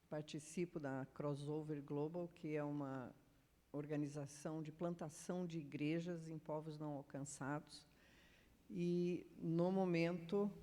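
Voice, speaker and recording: A woman from Curitiba with a Curitiba accent, a guest missionary giving a chatty, relaxed church talk while fumbling with her slides. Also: low voice. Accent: Curitiba Brazilian Portuguese. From Curitiba, Brazil. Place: church sanctuary. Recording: hall reverb, faint noise, from the mic.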